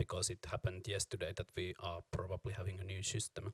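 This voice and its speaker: A somewhat breathy male voice, dry and close with no echo. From Finland. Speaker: peace activist. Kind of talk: audience question.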